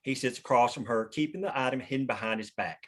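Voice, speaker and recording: A man's voice: medium pitch, fast. A man narrating stage directions at a script table read.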